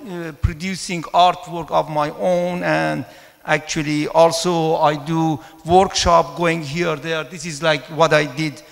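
A middle-aged mathematics professor from Iran, with a Persian accent, gives an informal conference talk at a podium in a large indoor hall, speaking haltingly with frequent pauses. His voice is fairly high, level in tone and creaky. The handheld mic captures a long, echoey reverb from the hall.

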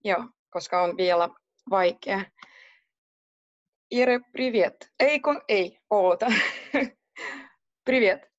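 Woman in her 30s, unhurried teacher, lo-fi webcam sound. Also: medium pitch, animated. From Russia. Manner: patient, repeats and translates phrases. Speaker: language teacher. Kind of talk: online one-on-one lesson. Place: home room, on a video call. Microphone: laptop webcam mic. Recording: dull lo-fi video call audio.

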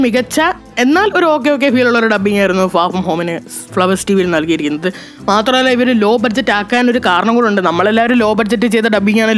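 A woman from Kerala hosting a casual review vlog about film dubbing, chatting with frequent hesitation fillers and restarts. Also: on the high side.

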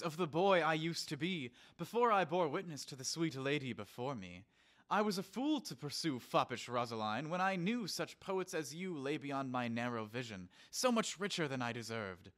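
A man playing an excitable, cocky high school boy who acts Romeo, dramatic and emphatic, in an audio drama. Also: moderate pace. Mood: lovestruck, florid.

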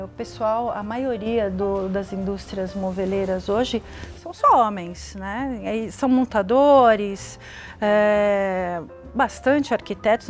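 A woman, a visual artist, talking as a guest on a panel show, earnest and emphatic, coming back to her point. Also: medium pitch. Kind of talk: casual talk-show conversation. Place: living-room studio set.

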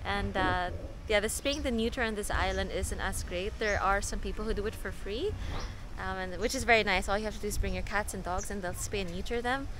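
A woman's voice: mid-range voice, brisk. A woman in her thirties chatting casually and upbeat to camera as a travel vlogger, outdoors on a camera held at arm's length. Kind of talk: casual vlog chat to camera. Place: outdoors at a tropical resort. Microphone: action camera at arm's length. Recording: clear outdoor ambient noise behind voice.

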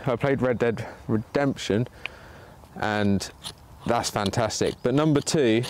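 A man with a medium-pitched, darkish voice speaks slowly while hosting a bushcraft livestream in sunny woodland. He chats casually with viewers as he demonstrates, the camera pointing down at his hands, with slight background noise.

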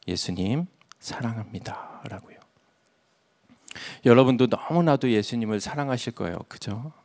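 Male preacher, low and gravelly, storytelling sermon with hushed near-whispered moments. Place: church sanctuary.

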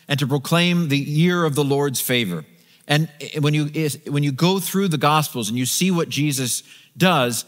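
A middle-aged man preaches in a conversational, restarting way as he paces the stage. His voice sits a bit higher than most men's. The large sanctuary adds a long reverb tail behind him. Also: fairly bright tone. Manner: conversational, walks the stage, gesturing with a Bible in hand; frequent restarts and repeated words. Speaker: pastor. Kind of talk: sermon. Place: large church stage with a live congregation.

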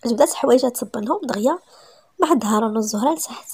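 A woman with a Moroccan accent narrating a romantic comedy story aloud in a brisk, lively manner. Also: on the high side, a little hiss or hum.

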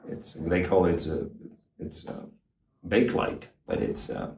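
An older man, a guitar expert guest, explaining in a casual, halting way with many fillers and restarts, in a small backstage room. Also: low voice, sing-song, vocal fry, darkish tone, recorded from a distance. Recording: roomy, off-mic, faint noise.

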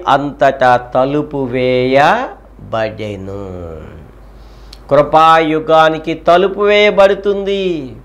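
Slow, emphatic male preacher. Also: a little high. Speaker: pastor. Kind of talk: sermon.

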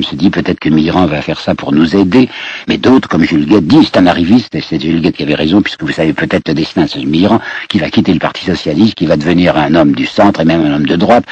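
A man's voice: a bass voice, quick pace, darkish tone, breathy edge, dry recording. A man giving a storytelling lecture, digressing and addressing his listeners directly. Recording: dull lo-fi archive recording.

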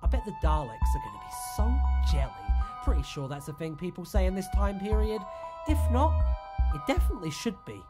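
A man's voice: sits high, big pitch swings, fairly quick, loud music behind the voice. A man playing an eccentric, self-sacrificing time traveller in an audio drama, wry, chatty and flippant. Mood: taunting.

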